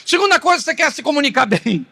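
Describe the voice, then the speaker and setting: A man with a Brazilian Portuguese accent preaching a sermon as pastor, animated and theatrical. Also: very high voice, fast, vocal fry. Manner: animated, acts out quoted spouses in changing voices.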